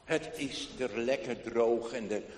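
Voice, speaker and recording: A man reading a children's story aloud in a lively, expressive storytelling manner. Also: medium pitch, unhurried. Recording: reverberant room with faint noise.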